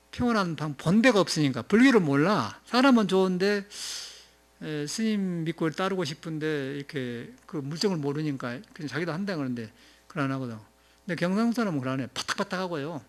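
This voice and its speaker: A Buddhist monk with a Jeolla accent giving a rambling, conversational dharma talk, often chuckling and dropping in filler sounds. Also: male voice, fairly high pitch. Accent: Jeolla Korean. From Jeolla, South Korea. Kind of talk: informal sermon.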